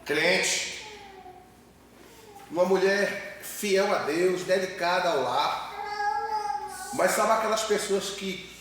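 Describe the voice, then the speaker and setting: A man's voice: high voice, slow pace, pauses often, a bit bright. A man pastor preaching a sermon with emphatic repetition, calling the congregation brothers. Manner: emphatic, repeats words, addresses congregation as brothers. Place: church. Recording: echoey hall, mic far off, faint noise.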